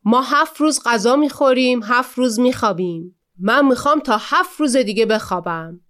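A woman voicing a huge, greedy male demon in a children's story, chanting slowly and giving orders. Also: a little high, expressive, fairly bright tone. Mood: commanding. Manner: slow, chanting and commanding. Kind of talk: storybook narration.

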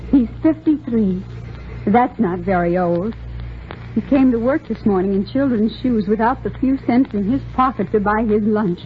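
A woman's voice: on the high side, normal speed, natural voice. An actress playing an earnest, spirited young woman shop clerk in a 1940s radio drama, heard over a tinny, noisy old broadcast. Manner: earnest, pleading.

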